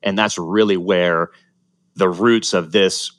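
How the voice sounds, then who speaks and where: A low-voiced man in his forties tells his story in an interview. He sounds earnest and reflective and often restarts his sentences. The sound is close and dry, with no room echo. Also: steady tone, slow pace, a bit bright. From Ohio, USA, born in Ecuador. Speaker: guest, former pro triathlete.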